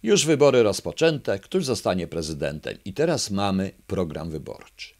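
Low-voiced man reading verse to an audience. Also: moderate pace. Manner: hesitant asides with fillers between lively readings. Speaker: speaker reading a poem to an audience.

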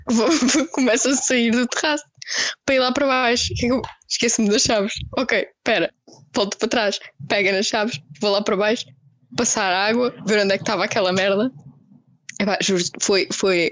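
A young woman of medium pitch tells friends a story in a European Portuguese accent, animated and casual, using slang and acting out the quotes. The audio has no echo.

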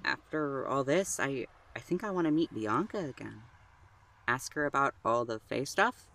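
A woman playing an anxious, soft-hearted young driver in an audio drama, with a hesitant, stammering delivery. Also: a bass voice, expressive, moderate pace, exaggerated voice.

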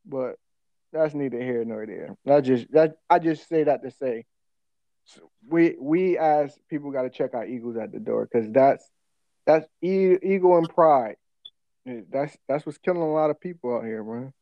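A man's voice: medium pitch, dry recording, dull audio. A man with an African American English accent chatting casually as a podcast co-host, telling stories in profane slang. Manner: slangy, profane, quick to laugh. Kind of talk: casual chat, personal storytelling.

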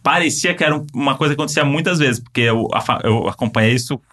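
A man with a Brazilian accent telling a story in casual chat, animated and full of fillers. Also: mid-range voice, fast. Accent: Brazilian Portuguese.

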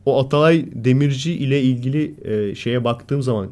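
A man co-hosts a relaxed podcast conversation. His voice is warm and mellow, at a middle pitch. He tells stories with gusto, jumping up in pitch and volume when he acts out people shouting. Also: moderate pace. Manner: animated storyteller, acts out quoted shouting. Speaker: podcast co-host. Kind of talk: casual chat, storytelling.

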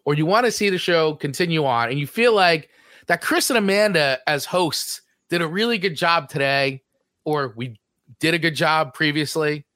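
A man's voice: fairly high pitch, sharp tone, dry recording, studio quality. A man with a New Jersey accent co-hosting a podcast, chatting casually and rambling through show plugs. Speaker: podcast co-host. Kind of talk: casual chat.

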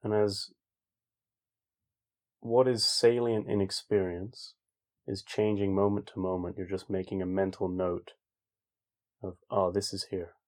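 A man leading a guided meditation in a calm, informal way, speaking gently spaced instructions with long pauses. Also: low voice. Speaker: meditation teacher. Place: online group session over video call.

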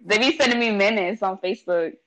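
A young woman in casual chat, blunt and profane, talking in an animated way. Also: mid-range voice, a little fast, poor audio. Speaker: interviewee. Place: New York.

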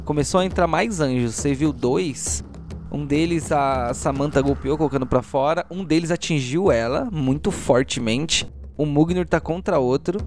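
A man's voice: on the high side, normal speed, darkish tone, faint music behind. A man with a Brazilian accent improvising narration as game master, describing action step by step and checking back with players.

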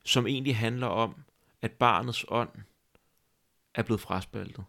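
A man hosting a conversation, speaking in a thoughtful, halting way with many restarts. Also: mid-range voice, vocal fry, bright, forceful tone. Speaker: podcast host. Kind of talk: reflective conversation.

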